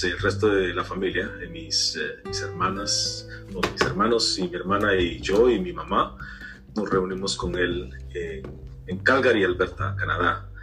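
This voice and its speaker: A man in his fifties from Guatemala, an interview guest telling his story in a reflective, unhurried way. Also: low voice, fairly bright tone, rough recording. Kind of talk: casual interview talk.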